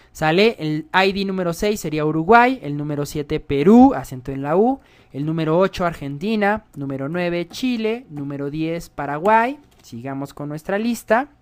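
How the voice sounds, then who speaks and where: A man's voice: on the high side, lively intonation, normal speed. Man teaching code. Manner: explanatory, often checks in with the viewers. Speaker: programming instructor. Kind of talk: screencast coding tutorial.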